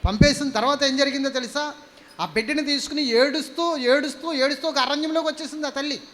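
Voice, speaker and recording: A man's voice: extremely high pitch, fairly even intonation, fast, fairly bright tone, slight background noise. A man preaching a sermon, retelling scripture dramatically with heavy repetition and calls to the congregation. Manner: dramatic, repetitive, call-and-response. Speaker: pastor.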